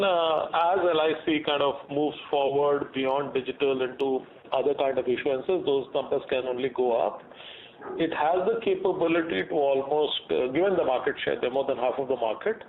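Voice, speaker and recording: Gravelly Indian man on a phone-like line. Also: medium pitch. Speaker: company executive answering investor questions. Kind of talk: explanatory business answers on an earnings call. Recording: muffled phone-like conference line with faint noise.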